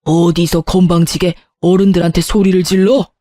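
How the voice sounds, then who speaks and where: A woman's voice: on the low side, flat delivery, normal speed, mellow, no room sound, clean studio sound, lightly acted. A woman voicing a scornful middle-aged mother-in-law who sighs, nags and belittles. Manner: sighing, nagging and belittling.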